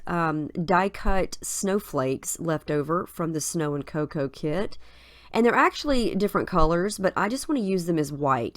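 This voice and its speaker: A woman's voice, slightly low and made scratchy and nasal by a head cold. She talks in a relaxed, chatty way, thinking aloud as she goes. The sound is dry and close. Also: no echo. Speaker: craft video host. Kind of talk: casual voice-over narrating a scrapbooking process.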